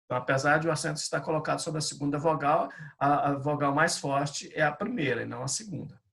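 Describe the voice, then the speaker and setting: A middle-aged man teaches a language lesson in a gravelly voice. He pitches it slightly high and explains patiently, restating each point. He talks like a pastor guiding a class. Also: quick pace, fairly bright tone.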